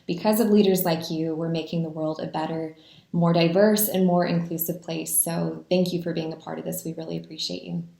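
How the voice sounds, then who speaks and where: A sincere woman with a slightly low voice gives a recorded congratulatory message. Her voice rings in a roomy, echoey space. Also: steady tone, brisk, creaky, dark tone. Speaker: past association president. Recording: echoey room.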